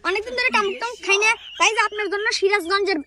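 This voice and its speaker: A woman's voice: very high-pitched, racing, crowd noise. A woman voicing a cheeky young man who courts a girl in a comedy skit. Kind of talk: comic skit dialogue.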